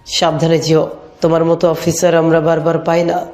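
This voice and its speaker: A man's voice: a little high, monotone, moderate pace, a little mellow, close to an everyday voice. A man playing an approving, protective senior police officer in a dramatized love story, speaking with authority. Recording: music under the voice.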